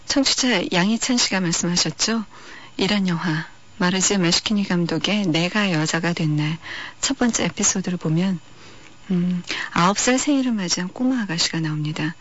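A woman hosting a radio film-music show, talking about films in a calm, reflective, unhurried way. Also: mid-range voice. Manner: calm, reflective, unhurried delivery with soft pauses. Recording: dull lo-fi radio archive.

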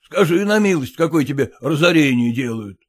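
A stern older father-in-law, bossy and sure of himself, lecturing at a deliberate pace, as a male storyteller plays him. His voice sits fairly high for a man and moves in lively swings as he instructs. He scolds and corrects, always in charge, in a storybook reading.

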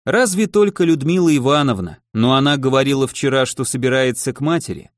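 A man's voice: mid-range voice, fairly quick, no echo, studio quality. A man narrating a crime novel as an audiobook reader, telling the story expressively. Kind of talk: scripted narration.

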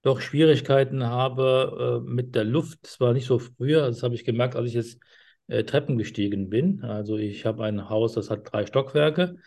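A man's voice: medium pitch, moderate pace, creaky, darkish tone, natural voice. A man playing a seventy-year-old male patient who describes his breathlessness hesitantly and at length, with many fillers. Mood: explaining. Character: elderly male patient, short of breath, chatty. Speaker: role-play patient in a medical exam practice. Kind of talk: simulated doctor-patient interview.

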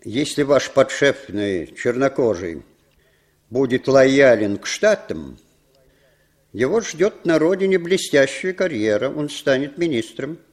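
A cynical American intelligence chief in a vintage radio drama. His tone is dry and ironic, with a calm, commanding edge. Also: mid-range voice, a little slow. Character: cynical older male American spymaster. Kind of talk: 1960s Soviet radio play acting.

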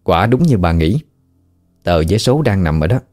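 A man with a Southern Vietnamese accent narrating a ghost story in a steady, measured way. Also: low-pitched. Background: faint background music.

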